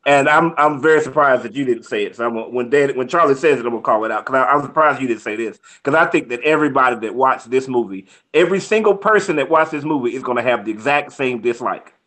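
A man co-hosting a movie review chat, speaking in a lively, teasing way. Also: medium pitch, fast talker, few pauses. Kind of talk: casual chat.

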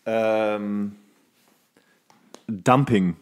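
A man's voice: lowish voice, fairly even intonation, extremely slow, clean tone. A man in casual, comedic podcast banter as a co-host, joking and mock-indignant. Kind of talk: casual comedic banter, guessing slang words.

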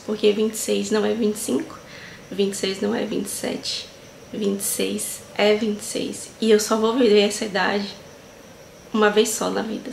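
A woman's voice: mid-range voice, vocal fry. A woman in her twenties vlogging to camera, speaking in an earnest, heartfelt way and often checking in with her viewers. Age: 20s. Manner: earnest, heartfelt, leans on fillers like "sabe" and "né". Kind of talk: casual reflective vlog talk. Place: small tiled room indoors. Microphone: camera at close range. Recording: echoey tiled room, faint noise.

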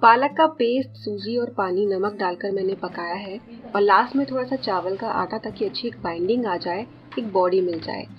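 Woman, 30s, home cooking vlogger; calm, explanatory voice-over, slightly muffled, light background music. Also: medium pitch, moderate pace. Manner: calm, explanatory, addresses viewers directly. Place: home kitchen.

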